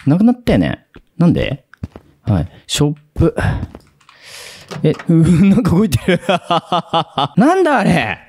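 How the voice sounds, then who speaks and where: A young man commentating a horror game, excitable and quick to react with loud, jumpy outbursts. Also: on the high side, slightly rough.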